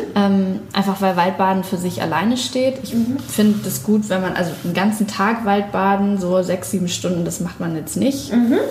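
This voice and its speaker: Music plays in the background as a woman speaks at a moderate pace and medium pitch with ordinary pitch variation, hardly any pauses, and audible room echo. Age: 30s. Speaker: forest bathing guide. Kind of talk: interview. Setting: in person, sitting together.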